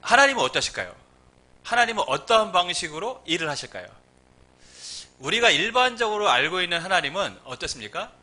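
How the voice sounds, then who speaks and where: A man's voice: sits high, sing-song, fairly quick, bright, forceful tone. A male pastor preaching a sermon in a humorous, storytelling way.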